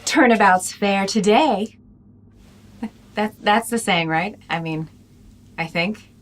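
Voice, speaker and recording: A woman's voice: mid-range voice, slow pace, natural voice. An actress playing a smug wasteland woman who rambles and trails off into doubt.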